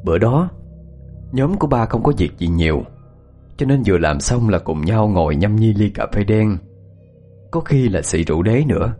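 A man tells a ghost story at a steady, measured pace. Faint music plays under his narration. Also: on the low side.

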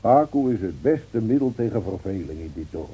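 An actor playing a placid, wry, world-weary village gendarme reasoning soothingly in a radio play. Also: male voice, lowish voice, sing-song, moderate pace, mellow, husky, heavily acted. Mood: tolerant, persuasive. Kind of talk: Dutch radio play acting. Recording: dull, muffled old radio recording.

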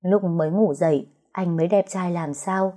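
A woman narrating a first-person romantic story in a soft, even storytelling manner, voicing the dialogue herself. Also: on the low side, normal speed.

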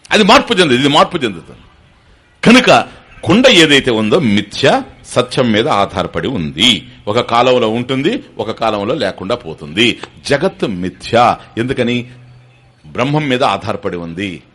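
A man's voice: mid-range voice, big pitch swings, normal speed, pauses often, fairly bright tone, husky. An older man giving a spiritual discourse, explaining step by step, often asking his listeners questions and slipping in English terms. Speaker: spiritual teacher. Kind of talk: Vedanta discourse to an audience.

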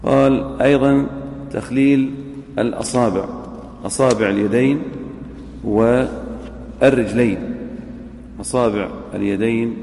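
A man teaches a class in a large hall with a long, ringing echo and faint room noise behind him. His voice is gravelly and dark. He reads a line from a text, says it again, then puts questions to his students. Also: medium pitch, steady tone, normal speed. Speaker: teacher of Islamic jurisprudence. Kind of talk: classroom lecture on a legal text. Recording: echoey hall recording with faint ambience.

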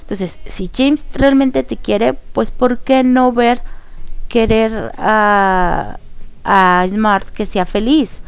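Mexican woman, radio host, expressive storyteller, smooth, fairly high voice. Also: drawn-out words, no echo. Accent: Mexican Spanish. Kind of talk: casual chat recapping a series.

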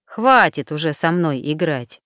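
A tired young man, as a woman reader puts him on, presses for answers in a low-key, insistent way. The tone stays smooth and close, with a dry, clean sound. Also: animated, a little slow, fairly bright tone, dry recording. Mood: weary. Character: weary bewildered young man, trying to stay calm.

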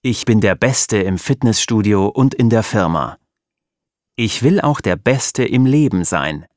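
A cocky young show-off who brags about being the best at the gym and at work, as a man reads him out. The delivery is slow and deliberate, in a lowish voice with a dry, close sound. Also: expressive, a little mellow, no room sound. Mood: boastful. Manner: slow, boastful email read aloud.

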